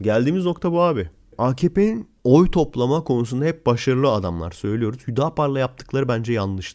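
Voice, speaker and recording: Moving at a fairly quick pace, a man speaks with a dark, mellow tone and very wide pitch swings. The recording is very clean, with a silent background. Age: 40s. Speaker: political commentary youtuber. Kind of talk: casual political commentary monologue. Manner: animated, sarcastic.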